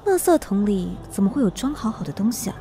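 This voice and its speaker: A woman's voice: medium pitch, very animated, fast talker, dark tone, faint music behind. An actress with a Taiwanese accent playing a weary, independent young woman in a radio drama, musing to herself. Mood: polite, curious. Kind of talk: radio drama acting, inner monologue.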